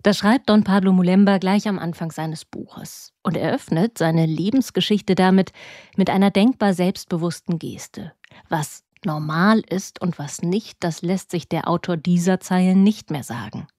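Mellow-voiced woman reading a book review. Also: fairly low pitch, unhurried, no room sound, studio quality. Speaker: radio culture reporter. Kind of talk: scripted radio book review.

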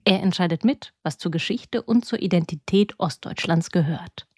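A woman reading a scripted radio book review in a measured, serious manner. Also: on the low side, no room sound, studio quality. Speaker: radio culture reporter.

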